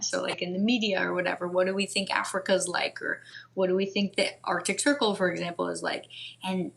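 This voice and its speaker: Woman guest with a gravelly low voice. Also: a little hiss or hum. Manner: relaxed, thoughtful, frequent "like" and "um". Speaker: podcast guest. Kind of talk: casual conversation.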